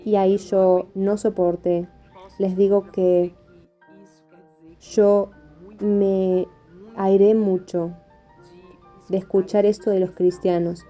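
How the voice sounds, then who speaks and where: A woman's voice: mid-range voice, level tone, takes it slowly, pauses often, mellow. A woman narrating a religious testimony in an earnest, emphatic way, as a preacher. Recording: dull lo-fi audio with faint music.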